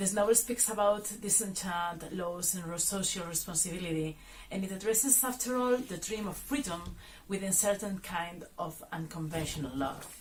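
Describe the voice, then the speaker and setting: A woman speaks in a Galician accent at a moderate pace and medium pitch. Her pitch variation is ordinary, and there is noticeable background noise. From Galicia, Spain. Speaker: novelist. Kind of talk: author presentation of own novel. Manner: hesitant, with filler sounds.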